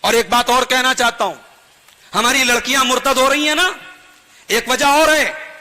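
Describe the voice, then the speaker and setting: A man delivers a sermon in a high, piercingly bright voice. He pleads and admonishes earnestly, with rhythmic sing-song repetition. His words ring out with a long hall reverb. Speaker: preacher. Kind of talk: sermon to a gathering.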